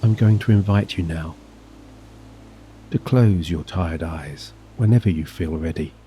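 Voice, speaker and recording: Man, very low pitch, soft dark tone, soothing hypnosis narration, gentle measured phrasing, long pauses. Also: a little hiss or hum. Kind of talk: guided sleep hypnosis, scripted narration. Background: soft relaxing music and gentle waves.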